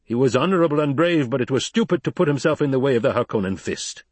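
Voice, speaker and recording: A man voicing a gruff, commanding male desert tribal leader who roars and hurls insults. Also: mid-range voice, expressive, fast, darkish tone, dry recording, pitched above the performer's own voice. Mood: blustering. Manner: roaring, blustering, insulting.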